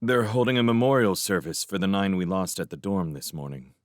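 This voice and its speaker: A man's voice: low voice, lively intonation, fairly quick, no echo, studio quality. A man voicing an uneasy soldier asking worried questions. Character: male soldier Kent, uneasy.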